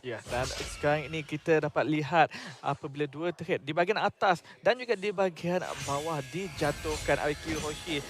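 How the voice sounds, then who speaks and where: Esports caster: Malaysian male, high-pitched voice, animated announcer delivery, live match calls and analysis. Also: moderate pace, faint music behind.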